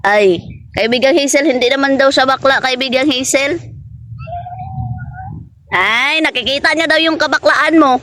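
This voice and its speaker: A woman's voice: high voice, normal speed, long pauses, fairly bright tone, dry recording. A woman vlogging outdoors in a garden, chatting casually with an unseen spirit friend, passing on what it says and laughing often. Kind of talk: casual spoken vlog addressing an unseen spirit.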